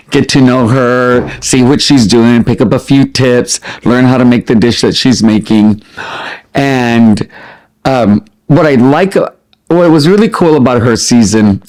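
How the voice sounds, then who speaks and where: A middle-aged man chatting casually as a vlogger, expressive and prone to wandering off on tangents as he answers questions. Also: mid-range voice, poor audio. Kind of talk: casual chat to camera, answering listed questions.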